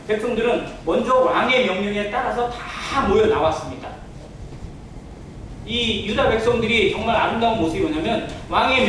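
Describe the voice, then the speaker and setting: A man preaching as a pastor in a church sermon, earnestly explaining and putting rhetorical questions to the congregation. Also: sits high. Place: indoor church sanctuary. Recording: very echoey church hall, distant mic, faint noise.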